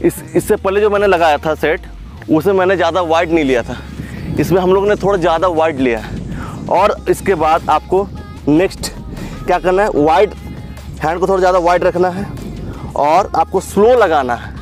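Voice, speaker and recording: Casting: young male fitness coach, fairly high voice, brisk rep-counting commands, faint music underneath. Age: young adult. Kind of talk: workout instruction. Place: open grass field by a lake, outdoors.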